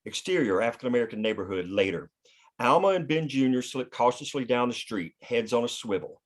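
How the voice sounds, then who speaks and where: A man serves as narrator at a screenplay table read. He reads scene headings and action lines in a scripted narration style, at an average male pitch. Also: lively intonation, fairly quick. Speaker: stage-direction narrator.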